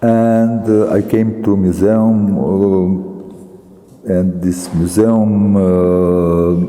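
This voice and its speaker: Very slow, monotone male voice in a Croatian accent, with hardly any pauses, very even loudness and audible room echo. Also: fairly low pitch for a man. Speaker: museum manager and artist. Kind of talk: panel discussion. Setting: round table with audience. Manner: halting, broken English.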